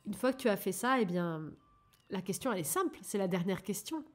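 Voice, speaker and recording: A French woman speaks in a soft, encouraging coaching tone, addressing the listener directly as she guides them toward their goals. Her pitch sits in a middle range, and her delivery is relaxed and conversational, with the hesitations of unscripted talk. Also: fairly quick. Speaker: life coach and channel host. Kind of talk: casual coaching monologue.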